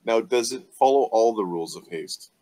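A man's voice: mid-range voice, expressive, moderate pace, mellow, rough recording. A man taking part in a tabletop game, casually chatting and asking about rules.

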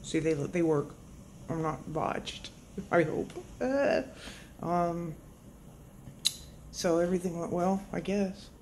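A middle-aged woman talking in a dazed, groggy, halting way after anesthesia, in a casual video diary recorded on a phone from a hospital bed. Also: lowish voice, steady tone, warm tone, slight background noise. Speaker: patient vlogging after surgery. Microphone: phone at arm's length.

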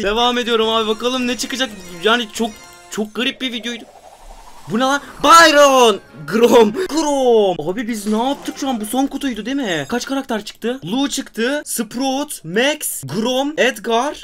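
A young man talks through a mobile game, loud and playful, teasing his viewers. His voice sits very high and rings bright and sharp. He shouts on every lucky win. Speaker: gaming YouTuber. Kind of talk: excitable gameplay commentary.

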